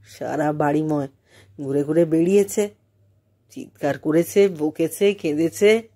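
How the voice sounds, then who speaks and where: A woman's voice: sits low, fairly even intonation, measured pace, dark tone. A woman storyteller voicing a married man talking to an old friend in a familiar, explanatory manner. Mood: matter-of-fact.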